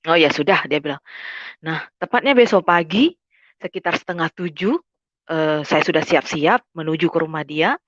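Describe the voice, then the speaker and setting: A woman with a fairly low voice recounts her personal testimony, stopping often with fillers and circling back over her own words. The sound is dull and lo-fi, with a dry, close feel and no room around it. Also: animated, fairly bright tone, no echo. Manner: halting, often repeats "I said" and pauses with "eh". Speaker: convert giving a testimony.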